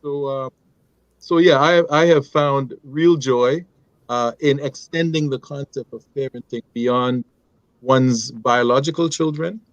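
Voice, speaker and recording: A middle-aged man telling personal stories as a guest on a video call, animated and quick to laugh. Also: medium pitch, no room sound, highs cut off. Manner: animated, laughing, many restarts. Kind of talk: storytelling in conversation.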